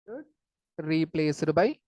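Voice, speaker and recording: Woman, South Asian accent, lower-pitched voice, teacher explaining a lesson, repetitive phrasing, frequent checking questions, dry sound. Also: animated, takes it slowly, warm tone, no room sound. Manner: repeats phrases and checks understanding with short questions. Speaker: chemistry teacher.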